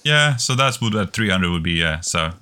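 A man chatting casually on a podcast about competition rifle shooting, telling relaxed, rambling stories. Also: low-pitched, normal speed, clear, resonant tone. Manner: relaxed storytelling with lots of fillers and restarts.

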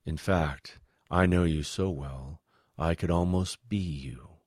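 A man playing a smug, treacherous villain in an audiobook story, with a casual, measured, smirking manner. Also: deep voice, a little mellow, husky, no echo, clean studio sound, exaggerated voice. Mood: gloating.

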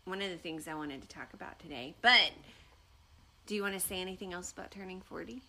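A woman's voice: on the low side, quick pace, pushed and bright, rough recording. A woman co-hosting a podcast in casual chat, laughing easily and encouraging. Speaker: podcast co-host.

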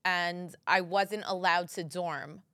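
A woman, telling stories in an animated, joking way as a studio guest. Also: on the low side, slow pace, no echo. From Brooklyn, New York. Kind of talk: casual interview chat.

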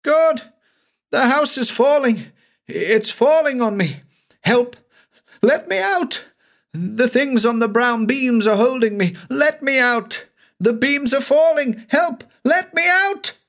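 A man's voice: sing-song, takes it slowly, fairly bright tone, exaggerated voice. A man doing a shrieking terrified haunted man. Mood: screaming. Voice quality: shrill, frantic. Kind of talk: dramatic audiobook reading.

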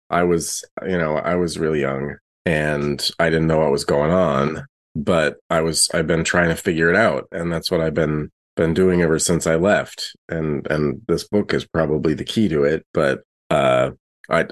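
A man playing a tabletop game, improvising in a casual, informal and halting way. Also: rumbling low. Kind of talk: casual improvised roleplay chat.

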